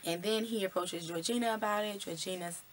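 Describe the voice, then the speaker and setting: A woman's voice: mid-range voice, quick pace, a little hiss or hum. A woman vlogger casually explaining the messages of a film, in a conversational way with many fillers.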